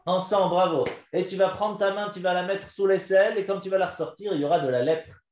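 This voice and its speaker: A man's voice: high-pitched, fairly quick. Male rabbi teaching live, storytelling style, quizzes the class, tenor voice, echoey room. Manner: animated storytelling, quizzes listeners. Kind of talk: live Torah lesson told as a story.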